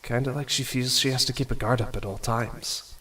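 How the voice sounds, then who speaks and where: A man playing an awkward, self-doubting young prince musing to himself in a fan audio drama, with a husky voice. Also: mid-range voice, fairly even intonation, fairly quick, pushed and bright, distant mic. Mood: wistful musing. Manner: casual, introspective musing.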